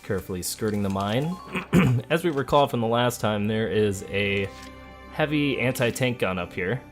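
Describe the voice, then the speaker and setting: A male let's play host talks through his moves in a lower-pitched, casual, chatty voice at a moderate pace, with video game music playing behind him. He's an adult with a school-age child, relaxed and thinking aloud as he gives easygoing gameplay commentary.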